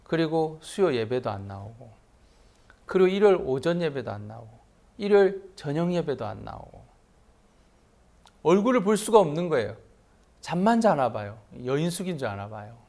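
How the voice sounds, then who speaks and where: A man's voice: a little high, moderate pace, vocal fry, pauses often. A middle-aged man, a pastor, telling a personal story in a sermon and letting his voice rise sharply for emphasis. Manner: lively anecdotal preaching, voice rising sharply for emphasis.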